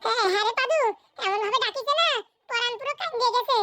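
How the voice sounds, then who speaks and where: A man voicing bickering, folksy village men in a comedy cartoon, with a rural Bengali accent and a pitched-up voice. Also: quick pace, pushed and bright, exaggerated voice. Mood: earnest, folksy. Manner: folksy, teasing, exclamatory.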